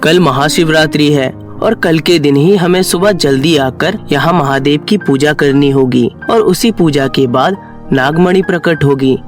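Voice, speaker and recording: A man voicing a calm middle-aged serpent uncle in a cartoon story, measured and explanatory. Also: a little high, faint music behind, close to an everyday voice. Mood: earnest, instructive.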